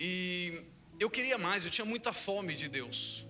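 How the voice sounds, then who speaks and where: Pitch variation is ordinary. The delivery is fairly slow. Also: man. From Brazil. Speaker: pastor. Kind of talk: sermon. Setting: church. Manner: halting, searching for words.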